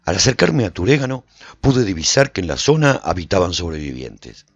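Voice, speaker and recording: A man narrating a radio drama in an expressive storytelling manner. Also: low voice, a little fast, vocal fry, breathy edge, no room sound. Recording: dull lo-fi recording with faint music.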